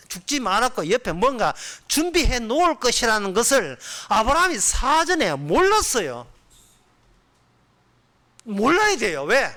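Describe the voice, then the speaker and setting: A man's voice: very high voice, pushed and bright. A male pastor with a Gyeongsang accent preaching a sermon in a colloquial way, full of rhetorical questions. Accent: Gyeongsang Korean.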